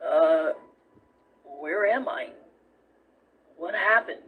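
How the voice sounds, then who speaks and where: A man's voice: high voice, extremely slow, narrow, tinny audio, a little hiss or hum. A man voicing a confused, anxious young brother in a dramatic comic dub. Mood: dazed, concerned.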